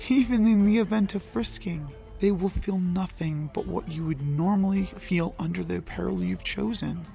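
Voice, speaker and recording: Woman narrator doing Loki: soft, gravelly, formal trickster-god father. Faint score. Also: lowish voice, moderate pace, faint music behind. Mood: gentle, apologetic.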